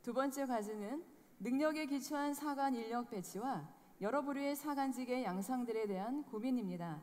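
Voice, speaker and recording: A woman presenting a formal scripted report in a clear, formal tone. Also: sits high, darkish tone. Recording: long hall reverb.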